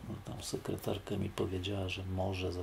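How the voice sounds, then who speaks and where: A Polish accent at a moderate pace amid noticeable background noise. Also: man. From Silesia, Poland. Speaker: researcher and author, architect, painter. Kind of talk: interview, casual chat. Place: home room.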